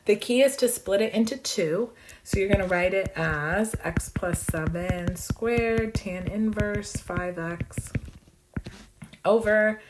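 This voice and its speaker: A woman math professor losing her voice, hoarse but brisk and bubbly as she rushes through exam solutions with playful asides. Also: fairly low pitch, heavy background noise. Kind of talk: fast exam walkthrough.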